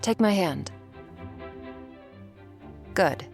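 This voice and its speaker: A woman's voice: on the low side, expressive, extremely slow, creaky. A woman performing an ASMR roleplay as a commanding, teasing werewolf hunter who instructs the listener. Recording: faint string music behind.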